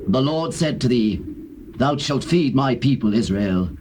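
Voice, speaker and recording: An actor with a British accent playing a loyal tribal elder, formal and measured, in a dramatized scripture. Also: male voice, mid-range voice, expressive, lightly acted. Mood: reverent, loyal. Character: loyal male tribal elder pledging allegiance to his king. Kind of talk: dramatized scripture, classical acting. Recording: noisy old cassette recording.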